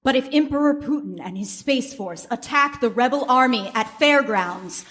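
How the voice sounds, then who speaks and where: Woman as high-voiced, urgent rebel sidekick. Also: animated, normal speed, a bit bright. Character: alarmed, skeptical female rebel lab assistant. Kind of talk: live comedic radio play acting.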